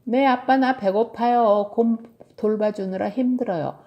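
A woman's voice: on the high side, measured pace, highs cut off. A woman doing a bossy little girl. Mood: insistent. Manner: scolding, emphatic. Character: young girl, bossy and stubborn with her bear. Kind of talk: storybook read-aloud.

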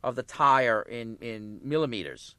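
A man's voice: medium pitch, animated, measured pace, sharp tone, dry recording. A middle-aged man co-hosting a call-in radio show, joking and explaining car repair step by step.

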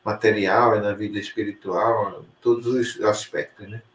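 A man interviewing a guest, answering calmly with affirming spiritual reflections. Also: lowish voice, normal speed. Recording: echoey room.

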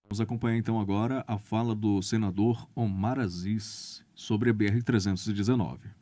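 A man's voice: on the low side, fairly even intonation, moderate pace, mellow. A young man with a Brazilian accent, a news anchor at a studio microphone, making brief conversational handoffs. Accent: Brazilian Portuguese. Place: radio studio.

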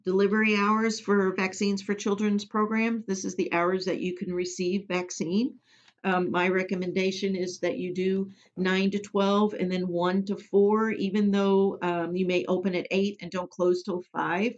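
A woman from Missouri training clinic staff in a screen-recorded software tutorial, giving plain step-by-step instructions with frequent ums. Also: mid-range voice, little pitch movement, normal speed. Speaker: immunization program trainer. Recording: dull lo-fi audio.

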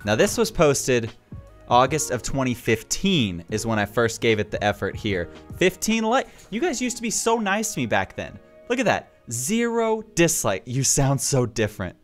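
A young man in his twenties, a gaming YouTuber, commenting on his old videos with animated, self-mocking asides into a headset mic at home. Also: mid-range voice, normal speed, faint music behind. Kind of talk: reaction commentary. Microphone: headset with boom mic.

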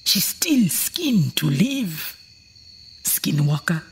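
An actress playing a blunt, superstitious old island woman with a gravelly, whispery voice in an audio horror drama. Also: lowish voice, sing-song, extremely slow, a little hiss or hum, full character voice. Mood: ominous warning. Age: older.

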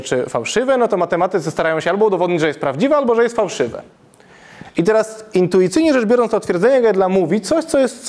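A man in his thirties giving a public math lecture in a classroom, thinking aloud and often checking the audience with a quick question. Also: sits high, a little mellow. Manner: thinking aloud, frequent self-corrections and "tak?" checks. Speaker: university lecturer. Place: classroom with chalkboard, indoors.

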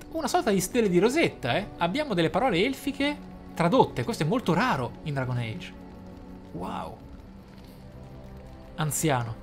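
A man hosting a gaming channel, reading lore aloud expressively and musing on it in asides. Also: a little high. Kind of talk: reading game lore aloud with off-the-cuff commentary. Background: game music.

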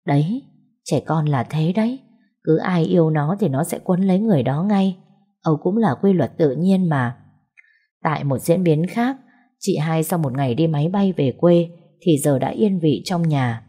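A woman narrating a late-night story in a steady, measured reading voice. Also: sits low, slightly rough.

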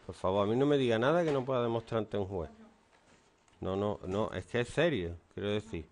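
A man's voice: on the low side, a little fast, darkish tone. A stern man, teaching and lecturing a class in a classroom. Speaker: English teacher.

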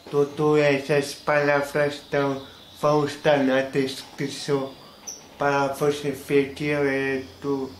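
A young man with a Carioca accent, talking casually to the camera in a small room and explaining slang word by word. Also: medium pitch. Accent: Carioca Portuguese. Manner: slow, halting, explaining word by word. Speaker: YouTuber. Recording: roomy echo, faint hiss.

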